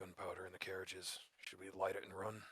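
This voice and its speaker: A man whispers very fast and quietly in a raspy, put-on character voice. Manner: whispering.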